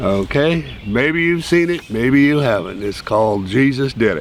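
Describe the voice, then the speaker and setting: A man with a medium pitch uses lively intonation while noticeable background noise carries on around him. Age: 70s. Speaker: evangelist. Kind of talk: testimony. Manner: halting.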